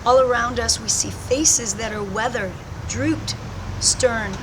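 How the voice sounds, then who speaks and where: Female reader, upper register, manifesto lines over clear street noise. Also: fairly high pitch, takes it slowly. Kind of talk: motivational manifesto reading.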